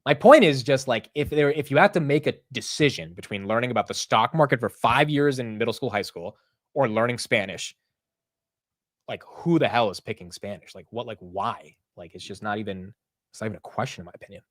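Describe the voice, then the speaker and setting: A young American man, the host of a casual market livestream, speaks in a mid-range voice at a brisk clip. He rants animatedly, swearing and poking fun at himself. The audio is studio quality with no echo.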